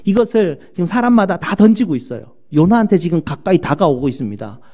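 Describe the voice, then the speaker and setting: Animated preaching man, high and mellow. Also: fast. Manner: animated preaching that swings between loud acted outbursts and low asides. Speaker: pastor. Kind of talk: sermon.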